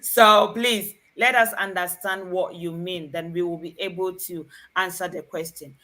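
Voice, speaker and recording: A woman's voice: fairly low pitch, steady tone, measured pace, sharp tone. A woman hosting a live-streamed health talk show, guiding the guests and reading out viewer questions in a chatty, coaxing manner. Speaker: host.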